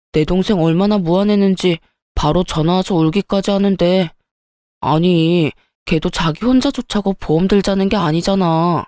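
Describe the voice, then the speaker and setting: A woman voicing an easygoing, dismissive young husband, speaking in a lowered, placating tone. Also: a little mellow, no room sound, clean studio sound, lightly acted.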